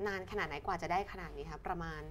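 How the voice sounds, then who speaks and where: A woman's voice: fairly low pitch, rapid-fire. A woman co-hosting a casual talk show, bantering in a playful, gushing way. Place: TV studio, indoors. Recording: noisy studio ambience.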